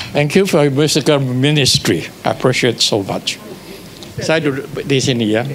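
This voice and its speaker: A man with a fairly high voice talks at a moderate pace amid noticeable background noise. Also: ordinary pitch variation. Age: 80s+. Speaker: visiting pastor. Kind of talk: sermon. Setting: church, seated, not at pulpit.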